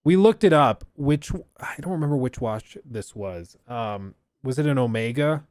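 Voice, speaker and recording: A man's voice: mid-range voice, lively intonation, normal speed, darkish tone, no room sound. A man giving casual, enthusiastic live reaction commentary on a stream, chatty and loose with fillers. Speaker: streamer reacting to a game showcase.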